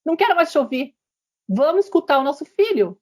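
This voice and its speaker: A woman's voice: sits high, very animated, fairly quick, a little mellow, voice pushed up. A woman quoting a stern middle-aged father who finally silences his wife, firm and commanding.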